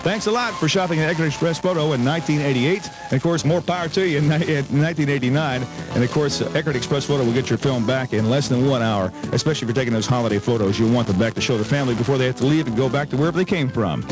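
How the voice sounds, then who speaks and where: A man's voice: medium pitch, rapid-fire, few pauses, low-quality recording. A man hosting a morning radio show, moving between chat and live ad reads. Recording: radio aircheck with music behind.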